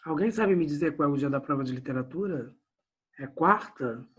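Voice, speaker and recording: A man's voice: fairly high pitch, animated, moderate pace, fairly bright tone, husky. A Brazilian man teaching a literature class online, chatty and addressing his students directly. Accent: Brazilian Portuguese.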